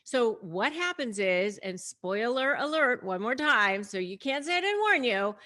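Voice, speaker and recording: A woman's voice: a little high, very animated, unhurried, sharp tone. A woman host giving casual, explanatory commentary, speaking conversationally and emphatically straight to her audience. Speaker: host and coach giving advice on narcissists. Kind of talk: casual explanatory commentary to camera, retelling a story.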